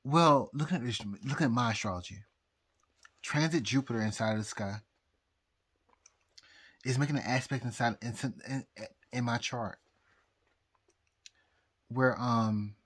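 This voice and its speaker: Very drunk male vlogger, husky mid-pitched voice, halting, repetitive rambling monologue. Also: fairly bright tone. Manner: halting, repetitive, losing his thread. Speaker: amateur astrologer vlogger. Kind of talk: rambling casual monologue to viewers.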